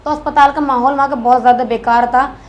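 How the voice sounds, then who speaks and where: A woman recounts a hospital stay in casual vlog talk, matter-of-fact and plain. Her voice sits a little high but barely rises or falls, with faint ambient noise behind her. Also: steady tone, fast, highs cut off. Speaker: vlogger, wife. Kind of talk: casual storytelling chat.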